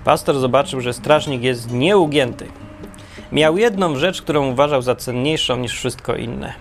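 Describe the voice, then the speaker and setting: A man narrating a parable in a wry, deadpan storytelling manner. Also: mid-range voice, measured pace, soft background music. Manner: wry, deadpan humor with self-corrections.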